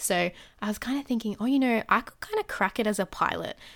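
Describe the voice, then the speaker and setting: Bright, sharp, and animated, the voice carries an Australian accent in a very clean recording with a silent background. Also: woman. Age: 20s. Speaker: podcast host and small business owner. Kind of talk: casual solo monologue.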